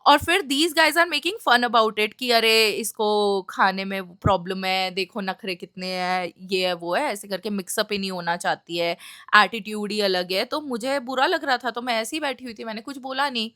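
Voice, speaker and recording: A young woman telling a story in a casual vlog, animated and mixing in English phrases. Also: medium pitch, normal speed, dry recording, studio quality. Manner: animated, mixes Hindi and English. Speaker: vlogger.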